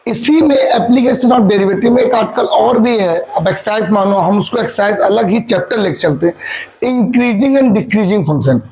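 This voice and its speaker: High-voiced man teaching maths. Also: normal speed, a little mellow, poor audio. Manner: asks and answers his own questions; mixes English maths terms into Hindi. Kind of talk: classroom lecture.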